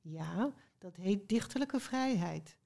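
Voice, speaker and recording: A woman voices a storybook poet who takes himself very seriously. He is gruff and instructive, with a soft, mellow timbre and weighty pronouncements. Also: medium pitch, lively intonation, takes it slowly, heavily acted. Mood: weighty, proud. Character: gruff, self-important male poet, earnest and sighing. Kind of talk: storybook read aloud.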